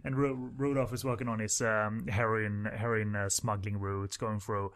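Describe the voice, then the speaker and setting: A man's voice: on the low side, little pitch movement, normal speed, a bit bright. A man hosting a casual film commentary podcast, rambling with lots of fillers and restarts.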